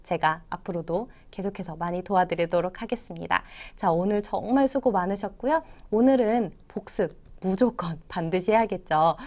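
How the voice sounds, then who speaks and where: Woman instructor for a video course, animated pitch, warm and encouraging, sweeps her voice through tone examples. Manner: encouraging, demonstrates tones with swooping pitch. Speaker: Chinese language teacher. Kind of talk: online video lesson.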